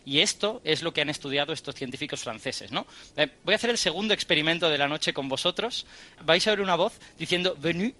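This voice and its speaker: Bright, lively man explaining science. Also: on the high side, fast. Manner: energetic, explanatory, quizzing the hosts. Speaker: science guest.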